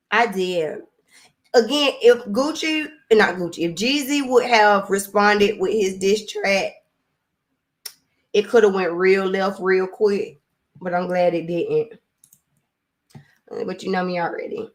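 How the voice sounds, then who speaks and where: A young woman with a Southern US accent, hosting a casual live stream, reading viewer comments, laughing often and drawing out words. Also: mid-range voice. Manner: animated, laughs often, drawls and drags words.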